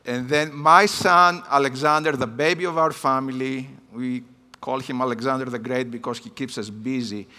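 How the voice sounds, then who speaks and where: Here the guest missions speaker, a Greek native of roughly fifty, talks personally to a church conference with plenty of hesitant fillers. His Greek-accented, mid-range voice stays fairly even in intonation at a moderate pace, pushed and bright, with big-room sound from the church hall.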